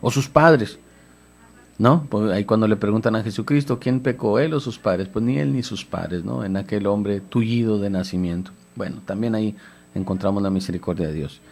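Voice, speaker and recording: A man's voice: on the low side, moderate pace, gravelly. A man preaching a radio sermon, retelling a scripture story with mounting fervor. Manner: retells scripture dramatically, rising to shouts of pleading.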